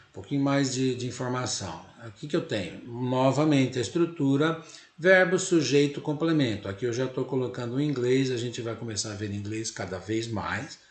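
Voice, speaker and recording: Brazilian man teaching English in a roomy space. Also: medium pitch. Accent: Brazilian Portuguese. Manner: explains step by step, drills English words slowly, often checks in with the class. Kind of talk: classroom lesson.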